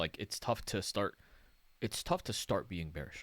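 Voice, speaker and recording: A man's fairly low voice comes through in a very clean recording with a silent background. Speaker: stock market analyst. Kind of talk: market analysis commentary.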